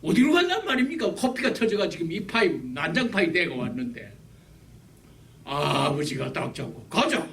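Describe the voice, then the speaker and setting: A man preaching a sermon, emphatic and repetitive, his loudness swinging widely. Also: a little high, sing-song, moderate pace, creaky. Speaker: pastor. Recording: distant mic with faint background hiss.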